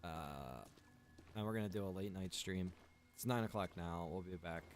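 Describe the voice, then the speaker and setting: Casting: young adult male streamer, low-ish voice, loose rambling chat with viewers. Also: normal speed, soft background music. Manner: rambling, relaxed, chatty with viewers. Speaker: streamer and server owner. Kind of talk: casual gaming stream chat.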